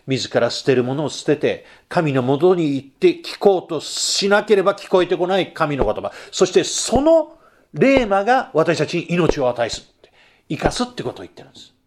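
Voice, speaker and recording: A male pastor with a fairly high, slightly mellow voice delivers a sermon conversationally, questioning the congregation and rising into emphatic bursts.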